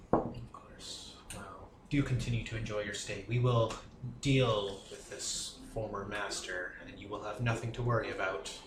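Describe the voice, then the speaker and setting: A man puts on a character voice at medium pitch, with clear background noise behind him. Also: moderate pace. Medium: actual play. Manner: formal, measured, aloof.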